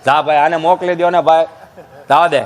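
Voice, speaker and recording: A man's voice: on the high side, fairly even intonation, brisk, in a large hall, pitched below the performer's own voice, close to an everyday voice. A man voicing a grumpy elderly village grandfather who shoos a stranger away in a stand-up joke. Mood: irritated. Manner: gruff, shooing away.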